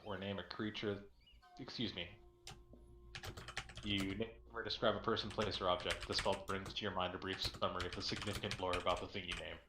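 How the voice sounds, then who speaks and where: A man with a fairly low voice chats quickly and casually as a tabletop game player over a computer mic. The room sounds echoey, with faint keyboard typing behind him. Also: little pitch movement, noisy background. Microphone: computer mic on a voice call.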